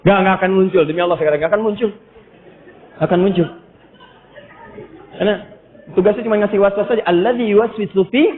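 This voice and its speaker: A man preaching a sermon in a mosque, lively and humorous, and his voice jumps up high for emphasis. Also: quick pace, pauses often. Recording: tinny echoey hall recording.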